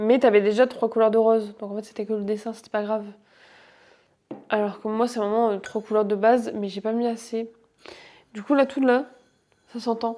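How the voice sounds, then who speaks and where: Taking long, frequent pauses, a woman with a dark, mellow tone and fairly high pitch speaks in a monotone, flat intonation while her loudness swings widely. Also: moderate pace. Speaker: vlogger. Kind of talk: casual vlog chat.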